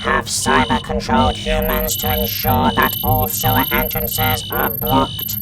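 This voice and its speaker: A man playing a cold, emotionless cyborg soldier in a sci-fi audio drama, giving commands in a clipped monotone through a robotic voice filter. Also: on the high side, a little slow, gravelly, poor audio. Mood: cold, commanding.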